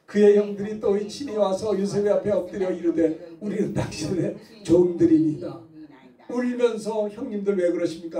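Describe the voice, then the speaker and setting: Man preaching in church, high mellow voice, mic kinda far, lots of room echo. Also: a little hiss or hum. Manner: preaching to a congregation, calling out verses to read together, rhetorical questions. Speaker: pastor. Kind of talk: sermon. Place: church sanctuary. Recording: echoey church hall from far off.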